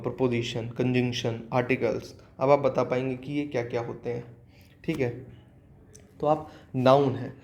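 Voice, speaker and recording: Indian man, grammar tutor, question-and-answer lecturing, mid-pitched voice. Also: darkish tone. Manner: asks the class questions and answers them himself; repeats key words, mixes English into Hindi. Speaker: English teacher. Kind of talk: classroom lecture.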